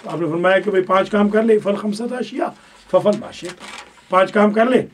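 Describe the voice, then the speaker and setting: A man teaching a classroom grammar lesson to religious students, stern and quick to correct them. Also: high-pitched, a little hiss or hum.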